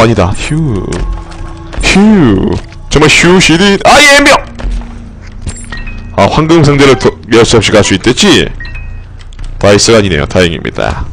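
A young man commenting on his game play for viewers, joking, swearing and breaking into sudden shouts. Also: medium pitch, moderate pace, pauses often, soft background music. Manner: excitable, swearing, jokey outbursts and shouts. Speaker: game streamer.

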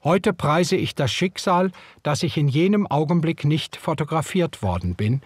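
A lively-voiced storyteller. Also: male voice, a little high, husky, dry recording, studio quality. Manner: measured, old-fashioned storytelling. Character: young German man recalling the past. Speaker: first-person narrator. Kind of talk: scripted audiobook narration.

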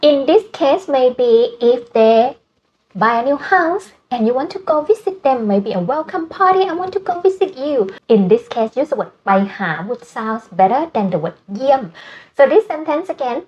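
A woman with a Thai accent, a native Thai speaker, teaching a language lesson and slowly repeating words. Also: high-pitched, lively intonation, a little mellow, dull audio. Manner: slow, careful repetition of Thai words.

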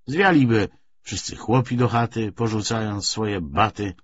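A man's voice: on the low side, unhurried, husky, no echo. A man voicing a cynical, talkative male army propagandist in an audiobook, bantering and opinionated. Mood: wry, animated. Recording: dull lo-fi recording.

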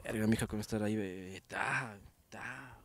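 A man's voice: lowish voice, normal speed, fairly bright tone. A young man, a podcast guest telling school stories in a loose, rambling way with frequent laughs. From Ecuador. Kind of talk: casual comedy podcast chat.

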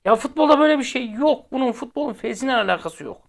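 A man's voice: very high-pitched, expressive, quick pace, vocal fry. A man hosting a football fan channel, ranting casually to viewers in a blunt, exasperated way and repeating phrases for emphasis. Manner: speaks directly to viewers, blunt and heated.

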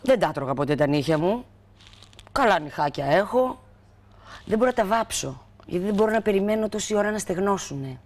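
A woman talk show guest from Greece tells her stories with flair, acting out every person in them. Her pitch rises and falls a lot as she goes. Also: lively intonation, darkish tone. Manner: dramatic, acts out the people in her stories. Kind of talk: animated anecdote telling.

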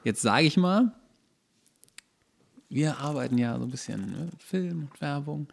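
A man's voice: fairly high pitch, animated, unhurried, vocal fry. A man chatting casually as a podcast co-host, hesitant and often repeating the starts of his phrases. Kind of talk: casual comedic podcast banter.

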